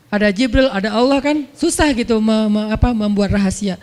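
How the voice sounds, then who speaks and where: A male preacher giving a casual storytelling sermon. He tells it in an animated way and acts out the voices of the people he quotes. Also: sits high, a little fast. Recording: long hall reverb.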